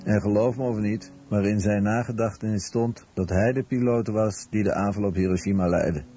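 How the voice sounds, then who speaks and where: A man's voice: fairly low pitch, fairly even intonation, moderate pace, dark tone, natural voice. An actor voicing a newsman's recollection in a scripted documentary voice-over. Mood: wry recollection. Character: newsman recalling a night shift. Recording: dull lo-fi radio recording. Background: music.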